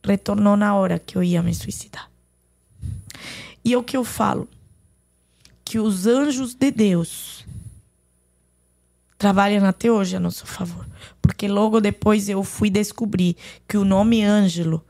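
Woman with a gravelly voice. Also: medium pitch, a little slow, pauses often, warm tone. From Lebanon. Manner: earnest storytelling, retelling dialogue. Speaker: podcast guest. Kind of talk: personal faith testimony.

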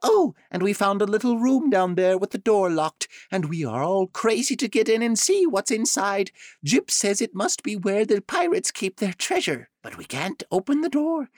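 High chattering duck housekeeper, female, fussy and excited, done by a man reading a storybook, dry close sound. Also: moderate pace, dry recording.

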